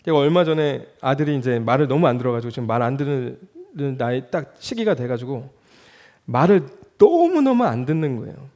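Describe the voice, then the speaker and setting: A man in his thirties, a junior pastor, preaching a sermon in church and asking the congregation rhetorical questions as his loudness rises and falls. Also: mid-range voice, big pitch swings, moderate pace.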